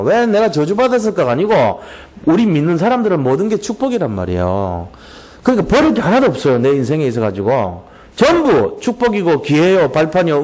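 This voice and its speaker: A male pastor preaching a sermon in a church, reading scripture and acting out the voices he quotes, with many rhetorical questions. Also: high voice.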